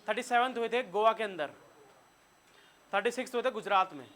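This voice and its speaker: A man's voice: sits high, a little fast, fairly bright tone. A man with a Hindi accent teaching a classroom current-affairs lesson, quizzing his students and telling them what to write down. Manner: quizzes students and has them take notes. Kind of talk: classroom lecture.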